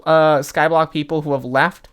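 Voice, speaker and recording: A man who makes gaming videos, talking in a chatty, casual way that swings quickly into excited disbelief. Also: fairly high pitch, clean tone. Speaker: gaming YouTuber.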